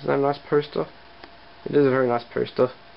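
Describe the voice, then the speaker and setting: Over noticeable background noise, a man with an Australian accent talks at a fairly quick pace, at medium pitch with fairly even intonation. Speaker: gaming YouTuber. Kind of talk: casual vlog. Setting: home bedroom. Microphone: poor audio quality.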